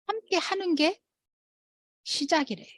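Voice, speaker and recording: A woman giving a motivational storytelling talk at a sales meeting, acting out the people she quotes in a raised, animated voice. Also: very high-pitched, unhurried, no room sound.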